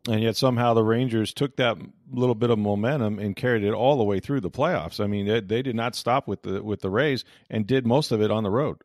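A man's voice: lowish voice, a little fast, hardly any pauses, a little mellow, no echo, clean studio sound. A man hosting a sports podcast, discussing games casually and agreeably with his guest. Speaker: sports podcast host, interviewer.

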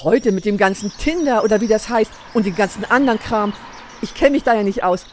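A woman's voice: mid-range voice, brisk, slight background noise, lightly acted. An actress playing a chatty, nosy older female neighbour in a radio play, gushing and rambling. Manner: gushing, rambling, overbearing, judgmental. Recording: outdoor scene with birdsong.

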